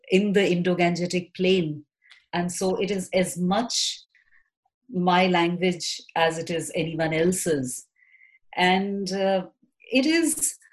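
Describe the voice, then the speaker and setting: A woman, a poet and theatre maker, answering interview questions thoughtfully and with frequent restarts. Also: on the low side. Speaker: poet and theatre practitioner guest.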